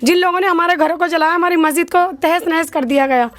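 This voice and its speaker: Very high-voiced woman, impassioned. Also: steady tone, quick pace, fairly bright tone, no echo, clean studio sound. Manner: impassioned, pleading. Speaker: riot victim interviewee. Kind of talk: street interview.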